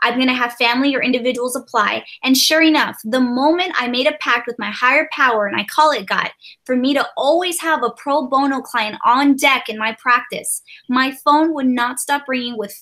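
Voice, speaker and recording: A woman speaks in a raised, projected voice with a high pitch and a bright, sharp tone. She keeps a moderate pace with ordinary pitch variation and hardly any pauses. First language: Spanish. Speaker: therapist. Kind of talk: podcast interview. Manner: animated.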